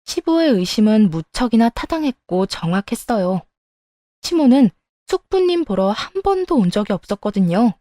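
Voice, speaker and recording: A woman narrating a first-person family story in a polite, expressive way. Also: on the high side, moderate pace, no echo. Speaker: narrator as daughter-in-law.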